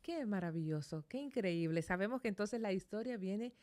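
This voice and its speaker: A woman's voice: medium pitch, expressive, moderate pace, a little mellow. A middle-aged woman hosting a Christian radio interview from a studio, effusive and heavy on blessings and exclamations.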